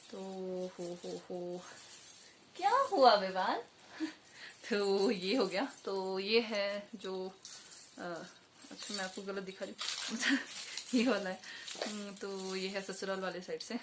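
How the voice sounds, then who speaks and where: A woman's voice: mid-range voice, level tone, unhurried. A young woman vlogging at home, chatty and hesitant, with many fillers and self-corrections. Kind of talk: casual show-and-tell vlog. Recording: noisy home recording. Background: jingling jewellery and bells.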